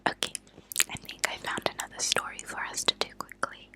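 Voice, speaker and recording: A woman whispering in a breathy, unvoiced voice, reading aloud slowly and softly in an ASMR style. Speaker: ASMR host reading true crime stories aloud. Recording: lo-fi close whispered ASMR recording.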